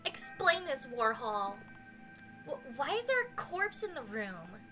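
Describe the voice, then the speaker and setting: A woman's voice: high-pitched, sing-song, takes it slowly, music in the background, heavily acted. A woman voicing a pushy, scornful teenage mean girl in a game, with a bubbly sorority-girl manner and a vague Valley Girl accent. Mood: shocked, demanding. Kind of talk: amateur game dub read-through.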